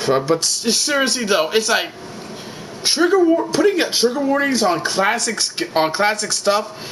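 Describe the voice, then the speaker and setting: A man talking at a fairly quick pace with very wide pitch swings, amid noticeable background noise. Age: 30s. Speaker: gaming YouTuber. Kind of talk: rant. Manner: animated.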